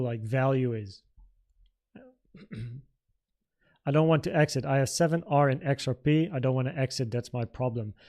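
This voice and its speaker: A man from the Netherlands, a native Dutch speaker in his thirties, hosting a casual trading livestream, informally thinking aloud as he takes viewer questions. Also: on the high side. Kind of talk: casual livestream Q&A and market commentary.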